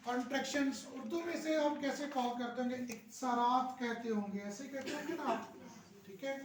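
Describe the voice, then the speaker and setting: A man leading a teacher-training workshop lecture who keeps asking the room questions and drilling words, repeating phrases slowly for emphasis. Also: very high-pitched, a little hiss or hum. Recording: roomy echo, distant mic, faint background ambience.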